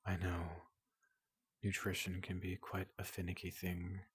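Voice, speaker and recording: A big, kindly robot doctor acted out by a man speaks in a very husky, hushed ASMR voice, close and dry. The delivery is slow and soothing, polite and reassuring, with a breathy near-whisper throughout. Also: low-pitched, completely flat delivery, no room sound, full character voice. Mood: gentle, inquisitive. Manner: slow, gentle, reassuring, repeats questions softly.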